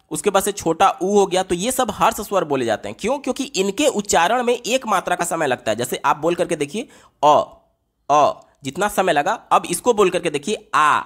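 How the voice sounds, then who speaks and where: A man with a rather high voice walks students through exam questions. He asks a question, then answers it himself, and writes examples on a board as he goes. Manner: explains step by step, asks and answers his own questions, repeats "theek hai?"; writes on a board while explaining. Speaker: teacher solving exam papers. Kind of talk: exam-paper lesson explanation.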